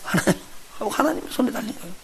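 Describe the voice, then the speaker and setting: A male pastor preaching a sermon, telling the story with lively, acted-out voices and putting questions straight to his congregation. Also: high-pitched, quick pace. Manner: lively storytelling, acts out the characters he retells; addresses the congregation directly with questions.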